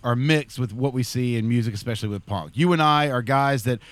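A man's voice: medium pitch, fairly quick, no room sound. A man hosting a casual podcast chat, rambling and often restarting his sentences. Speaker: podcast host.

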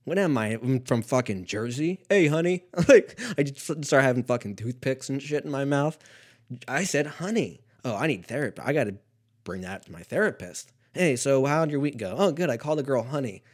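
A man in his thirties hosting a casual solo comedy podcast, rambling and swearing, often dropping to a mumble before jumping to loud quips. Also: medium pitch, animated, moderate pace. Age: 30s. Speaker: podcast host.

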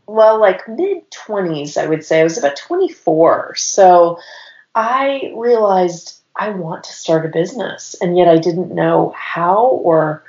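Slightly raspy woman with a cold. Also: fairly low pitch, lively intonation, unhurried, darkish tone. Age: 40s. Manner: rambling, stacks clauses with "and". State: has a cold. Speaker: podcast guest, business owner. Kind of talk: casual interview storytelling. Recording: roomy, dull lo-fi sound.

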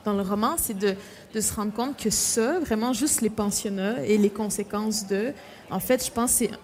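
A woman's voice: medium pitch, moderate pace, a little mellow, slight background noise. A young woman, an author speaking with many hesitations and restarts. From Quebec, Innu community. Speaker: author guest.

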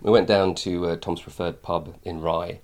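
Low-pitched man, author guest, casual chat, animated storyteller, frequent ums. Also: moderate pace.

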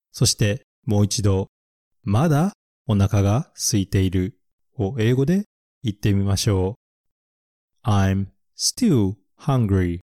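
A man hosting a picture-book English podcast, reviewing vocabulary slowly and carefully and repeating English words and phrases for learners. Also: fairly low pitch, mellow, no echo, studio quality.

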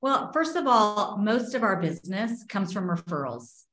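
A woman's voice: mid-range voice, sing-song, normal speed, fairly bright tone, roomy sound. A woman from Spain who grew up in Texas, a real estate agent chatting upbeat about her business in an interview. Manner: chatty, upbeat, finishes her partner's sentences. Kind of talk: casual interview chat.

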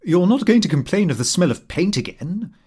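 A man plays a middle-aged British clerk from a comic storybook, puffed up with his own dignity. He speaks stiffly and indignantly, his pitch swinging widely. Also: very animated, brisk, a little mellow, breathy edge, full character voice. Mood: exasperated. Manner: stiff, formal, affronted. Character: pompous, indignant middle-aged male senior clerk diarist. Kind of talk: audiobook character dialogue.

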